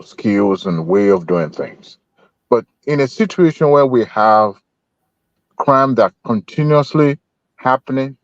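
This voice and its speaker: A man in a group voice chat debate, heard over the call line, arguing in a measured way with many hesitation fillers. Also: fairly low pitch, no echo. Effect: heard over a group voice chat connection. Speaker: panel discussant. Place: at home in Texas. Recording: dull lo-fi online call audio.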